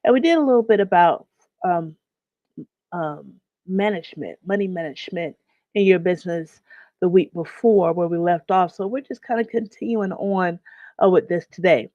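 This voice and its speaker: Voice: mid-range voice, moderate pace, no echo, highs cut off. A host of a live online business series, slightly nasal from getting over a cold, teaching in a conversational way and greeting viewers in the chat by name. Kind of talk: live-streamed business lesson.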